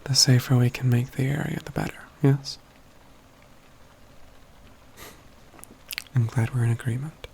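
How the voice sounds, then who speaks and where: A man playing a calm, courtly mage companion in a soft-spoken ASMR fantasy roleplay, with measured, halting phrases that often drop to a whisper. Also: mid-range voice, gravelly, slight background noise, close to an everyday voice, poor audio. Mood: calm, resolute.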